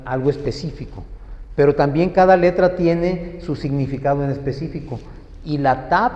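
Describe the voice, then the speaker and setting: A man delivers a sermon at a deliberate, unhurried pace, stressing key words and asking his listeners questions. His voice sits a little high for a man. It rings with long reverb through a church hall, captured on dull, lo-fi audio. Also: a little mellow. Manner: slow, emphatic teaching with questions to the audience. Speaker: preacher. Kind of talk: sermon teaching. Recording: echoey hall, dull lo-fi sound.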